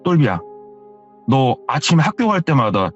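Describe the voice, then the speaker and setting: A man's voice: medium pitch, very animated, normal speed, dull audio, faint music behind, lightly acted. A man voicing a worried mother speaking urgently to her small son, within a told story. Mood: anxious.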